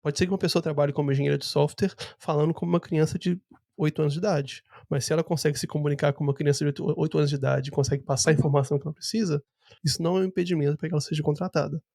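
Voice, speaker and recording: A man's voice: on the high side, steady tone, racing, vocal fry, warm tone, no echo, studio quality. A man hosting a podcast interview, explaining his views in long, opinionated turns. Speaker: podcast host. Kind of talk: casual interview talk. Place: Vancouver.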